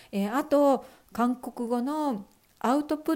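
A woman speaks very slowly with lively intonation and a dark, mellow tone. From Japan, Okayama. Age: 40s. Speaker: podcaster and Japanese teacher. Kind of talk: solo podcast monologue.

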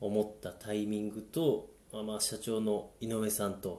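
Slowish at a fairly slow pace, a man speaks with a fairly low pitch and a dark, mellow tone. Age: 20s. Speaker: app company employee starting a talk channel. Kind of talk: casual self-introduction monologue. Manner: halting, many fillers; casual.

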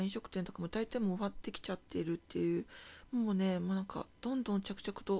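At a medium pitch, a woman speaks in a relaxed tone that is dark and mellow, somewhat breathy, with fairly even intonation. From Tokyo, Oshiage. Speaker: podcast host. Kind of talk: casual solo talk. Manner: relaxed, many fillers.

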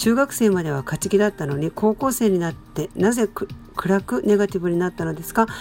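Over music in the background, a woman of medium pitch talks at a fairly quick pace. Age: 40s. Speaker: podcast host and painter. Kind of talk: casual talk answering listener mail. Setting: late-night solo radio talk.

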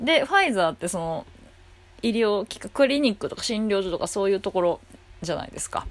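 Loud and with lively intonation, a woman speaks in a Kansai accent. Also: medium pitch for a woman. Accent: Kansai Japanese. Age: 30s. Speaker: comedian. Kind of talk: casual solo talk.

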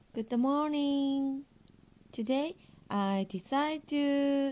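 This voice has a Japanese accent. Its tone is dark and mellow. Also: woman. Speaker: language learner podcaster. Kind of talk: solo audio diary. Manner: halting.

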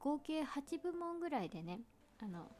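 A woman with a dark, mellow tone speaks at a fairly slow pace, her pitch swinging very widely. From Hakata, Fukuoka, Japan. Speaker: podcast host. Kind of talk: casual chat. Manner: relaxed, slow.

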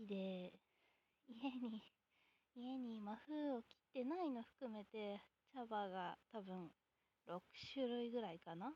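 Long, frequent pauses break up a woman's fairly slow speech. Her fairly high pitch moves with lively intonation, and her tone is dark and mellow. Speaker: solo podcaster and YouTuber. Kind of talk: casual diary monologue.

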